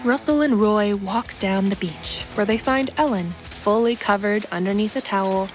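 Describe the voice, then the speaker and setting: A woman's voice: mid-range voice, moderate pace, poor audio. A woman reading scripted present-tense story narration for an action fiction podcast. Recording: prominent music bed under narration.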